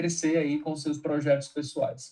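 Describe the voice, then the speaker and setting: A dark, mellow tone delivered at a moderate pace. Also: man. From Brazil, interior of Goiás. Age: 30s. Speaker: sales trainer and entrepreneur. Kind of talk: podcast interview.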